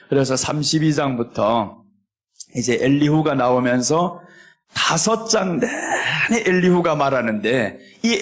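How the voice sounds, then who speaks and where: A middle-aged man preaching a sermon as pastor, expressive, acting out quoted voices and slowing down to read scripture. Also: high-pitched.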